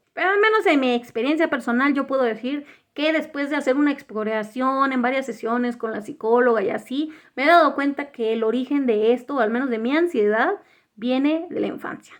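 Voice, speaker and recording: A woman speaks in a Mexican accent at a high pitch with ordinary pitch variation. Her pace is fairly quick, and the background is quiet. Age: 30s. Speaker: YouTuber. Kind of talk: personal storytime monologue. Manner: casual, colloquial.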